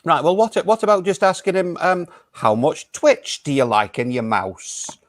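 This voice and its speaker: A man's voice: a little high, sing-song, dry recording, studio quality. A man playing a hesitant, awkward radio DJ who keeps stammering and restarting while talking to callers. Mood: flustered. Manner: flustered, hesitant, halting. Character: awkward radio DJ host of a small station. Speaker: improv performer.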